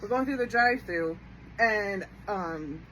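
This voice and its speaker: A woman's voice: medium pitch, expressive, unhurried, fairly bright tone, a little hiss or hum, rough recording. A woman guest telling stories in casual chat, blunt and swearing freely. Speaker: guest co-worker.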